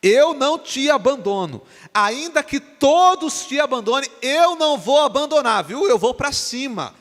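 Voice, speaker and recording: A boastful, overconfident grown disciple protesting at full voice, pitched well up and ringing through a long church reverb, as a preacher puts him on. He insists and pushes, loud and sure of himself. The sound carries through a big reverberant hall. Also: huge pitch swings, unhurried, heavily acted.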